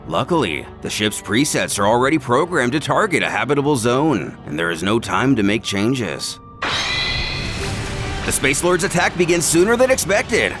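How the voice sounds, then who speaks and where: A man's voice: medium pitch, a bit bright. A man narrating a scripted story in a dramatic, theatrical and emphatic way, like a host telling an epic tale. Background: background music.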